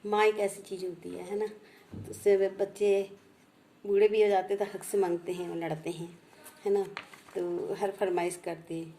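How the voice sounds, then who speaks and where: A woman speaking slowly and heartfelt as she recalls her past, repeating each phrase twice. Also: mid-range voice, little pitch movement, warm tone, slight background noise. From India. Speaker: vlogger sharing memories. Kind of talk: personal reminiscence.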